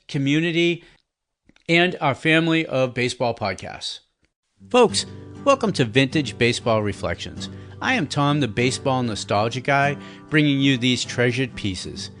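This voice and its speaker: Podcast host over faint guitar music. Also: male voice, medium pitch, fairly bright tone. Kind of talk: podcast introduction narration. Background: plucked guitar music.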